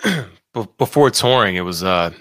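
A man musician in a casual live chat, talking in a relaxed, drawn-out, easygoing way. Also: fairly low pitch.

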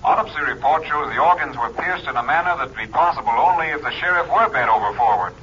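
Brisk police captain, sharp voice. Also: male voice, on the high side, expressive, highs cut off, slight background noise. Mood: businesslike. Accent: American. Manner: brisk, official, clipped. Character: brisk police captain reporting lab findings. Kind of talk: 1950s radio drama acting. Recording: thin, band-limited old radio recording.

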